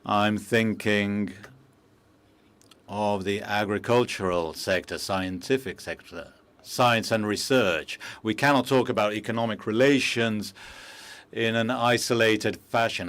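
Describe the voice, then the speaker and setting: Slow, halting male interpreter voice. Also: lowish voice, fairly even intonation. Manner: measured, halting, with frequent pauses and fillers. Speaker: conference interpreter. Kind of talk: simultaneous interpretation of a formal speech.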